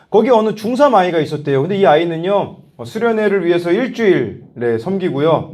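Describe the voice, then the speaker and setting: A youth pastor from South Korea tells family stories in his sermon, laughing often. His voice sits high and leaps up and down as he acts out quotes. He preaches with playful, animated energy.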